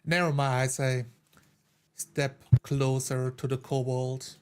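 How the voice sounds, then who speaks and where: A man's voice: mid-range voice, little pitch movement, slow, darkish tone, clear, resonant tone. A man speaking as a player in a tabletop roleplay game. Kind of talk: roleplay, describing character actions.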